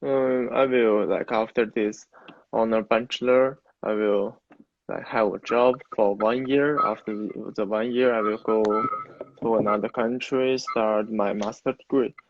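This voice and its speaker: A young man from China with a Mandarin Chinese accent, a native Mandarin speaker answering interview questions as a university student in halting, non-native phrasing. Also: lowish voice, steady tone, no echo, lo-fi sound. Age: young adult.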